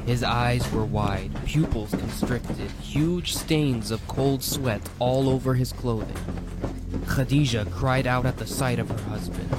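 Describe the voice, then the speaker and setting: A man narrating a scripted story in a mid-range voice, building suspense with intense delivery. Clear music plays under him throughout. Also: medium pitch.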